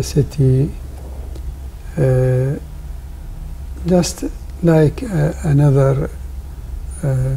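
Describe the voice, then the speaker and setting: An older man, a guest artist answering interview questions in halting, with many pauses, recorded on a lapel mic in a television studio. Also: on the high side, creaky, mellow, a little hiss or hum, low-quality recording. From Iraq. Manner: halting non-native English with frequent pauses.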